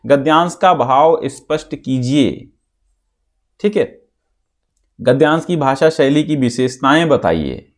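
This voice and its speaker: A male teacher giving an exam-prep lesson, explaining patiently, repeating key phrases and reciting verse slowly. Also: medium pitch, animated.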